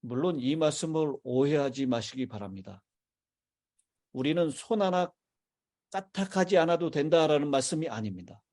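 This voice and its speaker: A male pastor delivers a sermon from the pulpit of a church. His voice sits a touch high and he speaks in measured phrases, stopping to ask the congregation questions and wait for their answers. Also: lively intonation, darkish tone. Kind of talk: sermon with congregation call-and-response. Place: church sanctuary.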